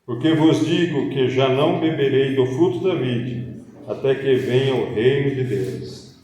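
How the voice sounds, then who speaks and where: A Brazilian man preaching and reading scripture, speaking deliberately phrase by phrase in a church hall. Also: medium pitch, mellow. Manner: deliberate, phrase by phrase, with rhetorical questions. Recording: very echoey hall, distant mic, faint noise.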